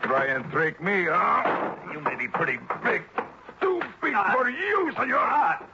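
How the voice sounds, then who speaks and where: A man's voice: high voice, big pitch swings, unhurried, very noisy, full character voice. An actor with a Mexican Spanish accent playing a big, menacing hired gunman in broken English in a 1960s radio drama. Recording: dull lo-fi old radio broadcast.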